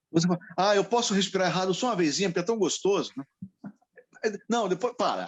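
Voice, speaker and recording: A man speaks at a very fast pace. His voice is high-pitched, with ordinary pitch variation. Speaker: radio announcer and voice teacher. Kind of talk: casual chat.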